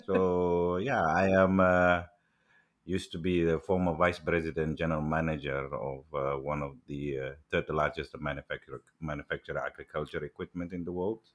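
Very deep-voiced Somali-accented man. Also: flat delivery. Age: middle-aged. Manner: halting, many fillers and restarts. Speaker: guest, agriculture executive. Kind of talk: casual interview talk.

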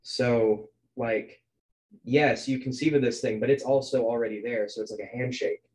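A man's voice: medium pitch, steady tone, moderate pace, a little mellow, poor audio. A man in his twenties hosting a podcast, musing aloud in a hesitant, filler-heavy way. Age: 20s. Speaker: podcast host. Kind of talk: casual podcast conversation.

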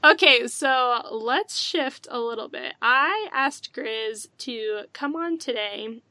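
Bubbly bright-voiced young woman host. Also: on the high side, lively intonation, takes it slowly, no echo. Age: 20s. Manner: bubbly, enthusiastic, laughs often. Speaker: podcast host. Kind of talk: casual faith podcast chat.

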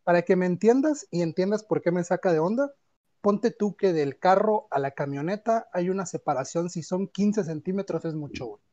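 A man's voice: sits high, lively intonation, normal speed, mellow, lo-fi sound. A man with a Mexican accent chatting casually and telling personal anecdotes in informal, slangy speech.

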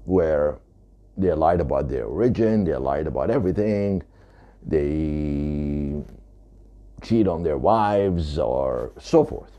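A man's voice: a bass voice, animated, slow, mellow. A man of Arab origin, an author, speaking emphatically about his book and repeating his points to drive them home.

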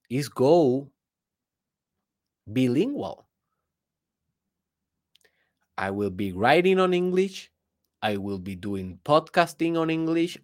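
Speaking in a mid-range voice, a Spanish-accented man who grew up speaking Spanish coaches business listeners through an emphatic motivational talk. He's alone and keeps asking rhetorical questions.

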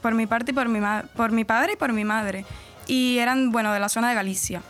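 A woman from Camagüey, Cuba, with a central-eastern Cuban accent, speaks in a slightly high, brisk, somewhat bright voice over soft background music. She's a radio presenter appearing as a guest in a relaxed radio interview. She chats freely, explains things at length, and laughs easily.

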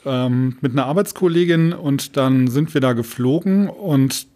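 A man's voice: medium pitch, measured pace, dark tone. A man from the Ruhr area of Germany chatting casually as a podcast co-host, telling jokey anecdotes.

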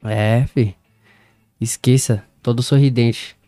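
Young são dude chatting on a podcast, slangy, laughs a lot, mellow dry voice. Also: male voice, medium pitch, steady tone, slow pace, no echo, soft background music. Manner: laid-back street slang, storytelling, laughs often. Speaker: DJ and music producer guest. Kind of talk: casual podcast interview.

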